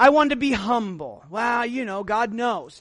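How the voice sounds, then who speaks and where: With an American accent, a man at an extremely high pitch projects a raised, animated voice in a bright, sharp tone, moving at a fairly slow pace with ordinary pitch variation. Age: 40s. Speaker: pastor. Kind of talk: sermon. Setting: church.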